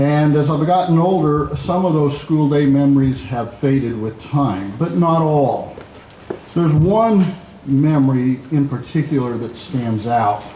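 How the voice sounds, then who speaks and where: Amid noticeable background noise and audible room echo, a man with an American accent and a fairly high pitch talks at a fairly slow pace. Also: ordinary pitch variation. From US Midwest, Indiana. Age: 60s. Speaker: history professor. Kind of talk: public talk.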